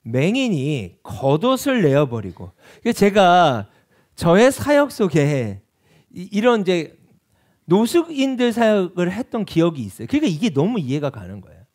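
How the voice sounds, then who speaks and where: A man's voice: high voice, wildly swooping pitch, normal speed, darkish tone. A man preaching a sermon as pastor at a church evening prayer meeting, asking the congregation repeated rhetorical questions.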